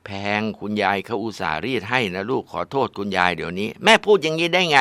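A man voicing a patient middle-aged mother who speaks softly and pleadingly. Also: sits low, fast talker, no echo. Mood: gentle scolding. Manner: soft, pleading.

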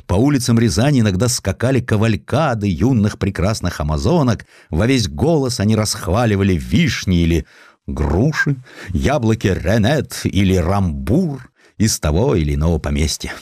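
A man narrating historical essays from a script in an expressive storytelling way, with ironic, conversational asides. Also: deep voice, no room sound, studio quality. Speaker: audiobook narrator. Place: studio.

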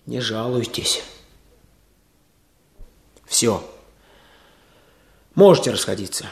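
An actor playing a firm village leader giving orders in a radio play. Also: male voice, medium pitch, lively intonation, creaky, slight background noise. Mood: commanding. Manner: commanding, brisk orders.

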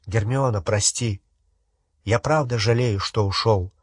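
A man's voice: lowish voice, measured pace, no room sound, studio quality. A man reading an audiobook, voicing a guilty teenage boy wizard who pleads and argues back. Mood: defensive pleading. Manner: pleading, then shouting back.

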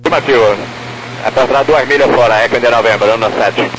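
A man's voice: medium pitch, fast, a bit bright. Man on a distant, noisy radio link. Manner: brief, routine phrasing with call signs. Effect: pilot talking over the aircraft radio. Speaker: pilot. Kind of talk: clipped radio readback.

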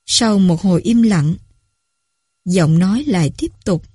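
Woman reading a story out loud, husky breathy voice, dry close sound. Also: mid-range voice, expressive, unhurried, no echo. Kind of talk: scripted story narration.

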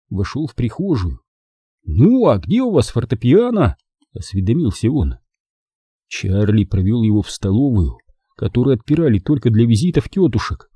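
A man reading a children's audiobook in calm, even narration. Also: on the low side, slightly rough, no echo, clean studio sound. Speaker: audiobook reader. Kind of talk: scripted narration.

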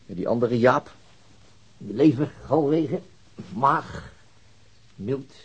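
An actor in a radio drama playing a weary, middle-aged veteran police detective, gruff but fatherly, in a naturalistic style. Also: medium pitch, expressive, slow pace, heavily acted. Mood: sober, businesslike. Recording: noisy radio drama recording.

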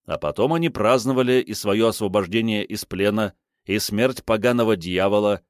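Man, audiobook narrator, low voice, measured even reading, close mic, dry sound. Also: no room sound. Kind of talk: scripted narration.

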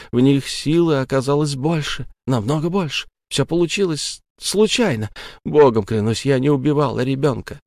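A man putting on a shrill, pleading young woman. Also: darkish tone, no room sound, studio quality. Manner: high, shrill, sobbing pleas.

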